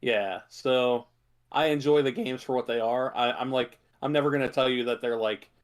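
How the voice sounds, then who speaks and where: A man chatting casually as a podcast co-host, in a halting way full of filler words and hedges. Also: mid-range voice. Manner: halting, hedging delivery with many filler words. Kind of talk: casual chat about video game movies.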